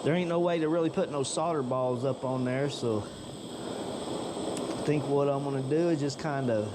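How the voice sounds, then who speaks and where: A man's voice: medium pitch, normal speed, very noisy. A man, chatting to viewers in a folksy way while he works at his jewelry bench. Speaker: jewelry maker. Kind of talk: casual workshop narration.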